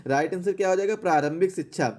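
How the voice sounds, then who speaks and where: A man's voice: sits high, fast talker, darkish tone. A man teaching an exam question-and-answer lesson in a didactic way, repeating key phrases for emphasis.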